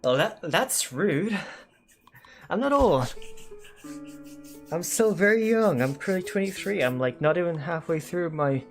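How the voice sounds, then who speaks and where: A man's voice: high voice, lively intonation, a little slow, pauses often, soft background music. A man in his twenties on a casual livestream, chatting with viewers and reading their comments. He rambles, with many fillers and self-corrections. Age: 20s. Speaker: streamer.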